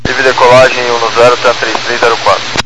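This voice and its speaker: A man's voice: medium pitch, level tone, brisk. A Brazilian man, an airline pilot, making clipped procedural callouts and readbacks over aircraft radio. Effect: radio transmission. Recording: very noisy cockpit radio.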